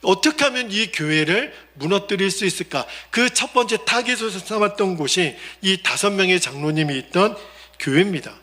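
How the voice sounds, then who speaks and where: A male pastor preaching a sermon in church, telling a story with animated delivery and quiet, lowered voices for quoted speech. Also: moderate pace. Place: church sanctuary.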